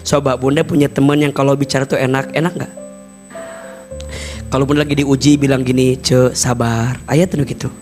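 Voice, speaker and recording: A man with a Sundanese accent giving a lively sermon, acting out everyday conversations and breaking into loud, emphatic lines. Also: mid-range voice, fairly quick, long pauses, music in the background. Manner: animated, acts out everyday dialogues, bursts into loud emphatic lines. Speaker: preacher. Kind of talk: lively sermon to a mostly female audience.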